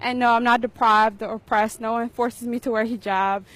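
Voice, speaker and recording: A young woman who speaks calmly, steadily and firmly. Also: fairly high pitch, normal speed, slight background noise. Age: young adult. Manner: calm, steady and firm. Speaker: university student interviewee.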